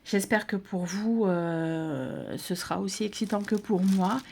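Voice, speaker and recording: A woman's voice: medium pitch, a little slow, gravelly, a little mellow, a little hiss or hum. A woman from France narrating an unboxing of cross-stitch kits in a casual, hesitant way, with many fillers and restarts. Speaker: craft vlogger.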